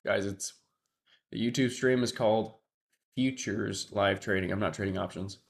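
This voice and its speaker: A livestream trader with a congested nose sniffles while chatting casually on his stream, thinking aloud, addressing his chat and often trailing off. His voice is fairly low and gravelly, at a moderate pace.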